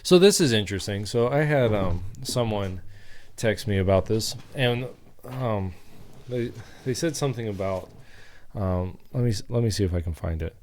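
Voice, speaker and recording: Low-voiced man chatting on a podcast. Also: animated, normal speed, darkish tone, a little hiss or hum. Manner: rambling, lots of fillers and restarts. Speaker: podcast co-host. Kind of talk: casual chat.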